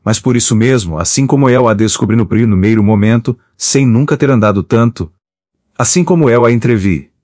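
A man's voice: medium pitch, a little fast, a little mellow, dry recording, clean studio sound, natural voice. A man reading the lines of an earnest, lovesick male engineer in a pleading, heartfelt way.

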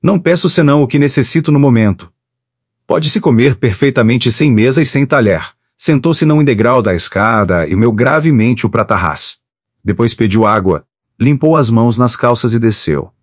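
A man narrates an audiobook of classic prose, reading it in a steady, measured way. His voice sits at an ordinary middle pitch and is recorded dry and close, with no room sound. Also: dry recording.

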